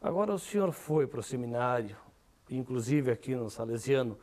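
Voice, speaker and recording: A man's voice: mid-range voice, expressive, moderate pace, a little mellow. A man, hosting a TV interview in a conversational way. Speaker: TV interview host.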